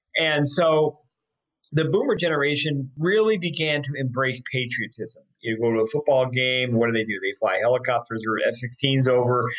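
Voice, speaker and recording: This is a plain, everyday voice from a man at medium pitch. He talks at a moderate pace with ordinary pitch variation. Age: 60s. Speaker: author and former congressional staffer. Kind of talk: casual chat.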